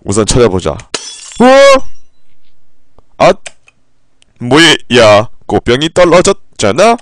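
Profane, excitable game streamer, lively pitch. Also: male voice, slow pace. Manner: profane, with sudden loud outbursts; reads in-game text aloud in a low flat voice. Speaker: live streamer. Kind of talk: live-streamed game playthrough.

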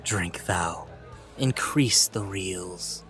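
Slow, low, sardonic Roman soldier played by a man. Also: a bit bright, soft background music, full character voice. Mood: wry. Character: dry, sardonic hard-drinking Roman soldier. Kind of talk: Shakespearean audio drama acting.

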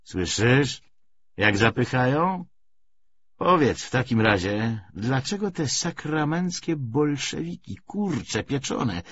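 A man acting a lively, coarse army corporal. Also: mid-range voice, breathy edge, dull audio, pitched above the performer's own voice, full character voice. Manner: slangy, colloquial soldier's talk. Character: coarse Polish army corporal, cursing, folksy and grumbling.

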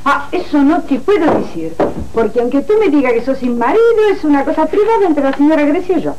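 A woman's voice: sits high, animated, fast talker, muffled recording. A woman playing a cunning, insistent gypsy fortune-teller in a telenovela. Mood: coy. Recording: noisy old TV broadcast recording.

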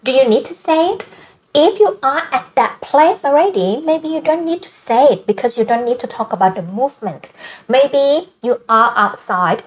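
Thai-accented woman teaching, slow careful repetitions. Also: high voice, animated, lo-fi sound. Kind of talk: language lesson, explaining and repeating words.

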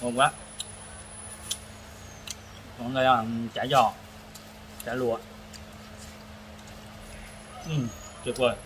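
A man in his thirties hosting a casual food review while eating, speaking haltingly with hesitations and repeated words. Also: medium pitch, level tone, a bit bright. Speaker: food vlog host. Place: open-air casual restaurant. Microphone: camera across the table. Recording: noisy eatery ambience, traffic.

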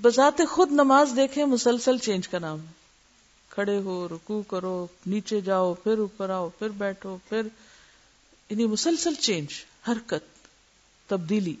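A woman's voice: medium pitch, lively intonation, darkish tone. A woman giving a religious lecture as a teacher, explaining terms and asking her listeners rhetorical questions. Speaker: Islamic teacher. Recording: muffled lo-fi lecture recording.

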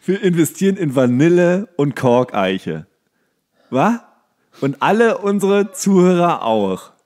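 A man's voice: sing-song, takes it slowly, darkish tone. Rambling, jokey man co-hosting a podcast. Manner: rambling, jokey, mock-serious pitching. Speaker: podcast co-host. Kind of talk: casual comedic banter.

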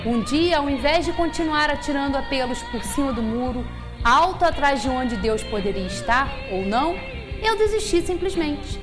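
Woman reading out a calm dying young guy, highish voice, music behind. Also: normal speed. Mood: earnest. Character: young man, terminally ill, calm and frank.

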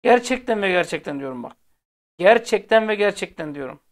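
A man with a high-sitting, expressive, brisk voice hosts a football fan channel, ranting casually at his viewers. He's blunt, heated, and exasperated, speaking directly to them and repeating phrases for emphasis.

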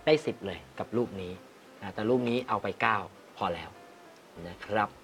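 A man's voice: fairly low pitch, moderate pace, a bit bright, faint music behind. A man hosting a casual photography-critique livestream, reading viewer comments aloud and laughing often. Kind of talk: casual live chat reviewing viewer photos.

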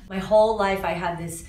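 A woman in her forties from Los Angeles, a voice actor answering interview questions in a casual, animated way with frequent restarts, filmed in a living room. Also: mid-range voice, a little hiss or hum. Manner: animated, talks with her hands, many restarts. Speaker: voice actor guest. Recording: roomy, slightly distant sound.

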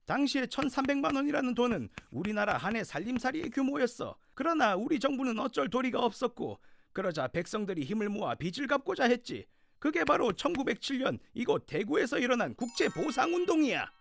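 A man's voice: very high voice, very animated, brisk, gravelly, few pauses, no room sound, exaggerated voice. An actor playing a scolding, lecturing grandfather over a hundred years old, telling stories in an educational audio drama with old-fashioned speech. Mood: earnest storytelling.

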